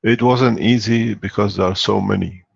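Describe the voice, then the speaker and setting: A man with a low, gravelly voice speaks in a deliberate, formal manner as host. His tone is husky and rough. The audio is dry and dull, like lo-fi call sound. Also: fairly even intonation, no room sound. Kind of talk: speech on an online call.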